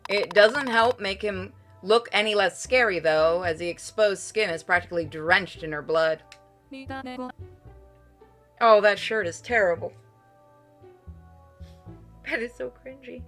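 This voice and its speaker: A woman's voice: mid-range voice, measured pace, pauses often, fairly bright tone, soft background music. A woman streaming a game casually, playful and informal, chatting and reading aloud. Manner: playful, informal, swears freely. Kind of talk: casual livestream chat and read-aloud game narration.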